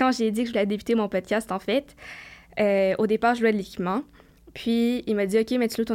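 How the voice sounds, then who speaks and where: In a very clean recording with a silent background, a woman talks at a fairly quick pace in a normal speaking voice. Her pitch is fairly high and her intonation fairly even. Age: 20s. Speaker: podcast host. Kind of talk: interview.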